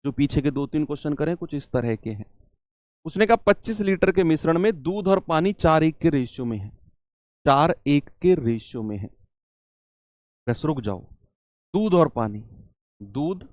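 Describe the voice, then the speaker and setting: Lively male math teacher, dry close sound. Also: sits high, smooth, dry recording. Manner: lively, coaxing questions to students, swings loud and soft. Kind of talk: online exam-prep math lesson.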